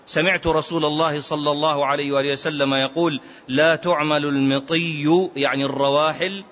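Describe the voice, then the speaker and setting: This emphatic teacher explains hadith in a mosque lesson, chanting certain phrases and asking rhetorical questions. He talks briskly in a steady tone, with a fairly bright voice on the high side. The audio is muffled and lo-fi.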